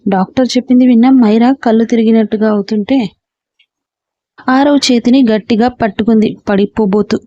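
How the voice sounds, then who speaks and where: A woman storyteller giving a steady scripted story narration. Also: on the high side, moderate pace, no echo, lo-fi sound.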